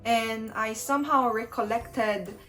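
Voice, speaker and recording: A woman's voice: fairly high pitch, slow pace, a bit bright, soft background music. Young woman with a Filipino English accent. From Korea. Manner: chatty, mixing Tagalog words into English. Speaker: content creator. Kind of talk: casual talk to camera.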